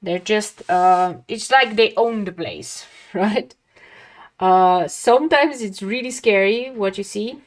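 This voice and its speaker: A young woman with a calming, mid-pitched voice. She talks in a casual, chatty way to viewers of her drawing livestream and often addresses them directly. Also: takes it slowly. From lives near a big Dutch city. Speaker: art livestream host. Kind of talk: casual chat while drawing.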